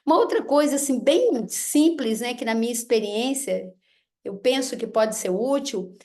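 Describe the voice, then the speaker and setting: A woman gives a lecture to an audience on raising children. Her voice sits high, and she talks in a lively, animated way, slipping into the voices of parents and kids to act out her examples. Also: normal speed. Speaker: speaker giving a talk on parenting.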